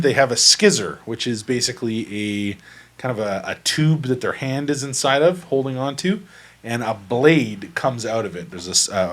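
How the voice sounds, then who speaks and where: A man's voice: mid-range voice, fairly bright tone. A man running a tabletop game as game master, describing the scene methodically. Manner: methodical, explanatory.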